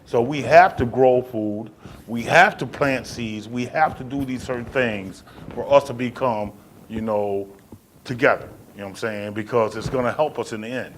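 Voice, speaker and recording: A man's voice: mid-range voice, moderate pace. A man giving an impassioned, informal answer on a panel, driving points home with rhetorical questions and repeated check-in tags. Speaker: panel speaker from the film's team. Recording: noisy live event room recording.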